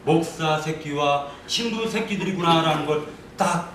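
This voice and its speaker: A man's voice: fairly high pitch, unhurried, a bit bright. A man giving a passionate church testimony, denouncing and growing angry as he speaks. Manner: vehement, denouncing, rising to anger. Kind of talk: impassioned testimony. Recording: echoey room, voice from far off, faint noise.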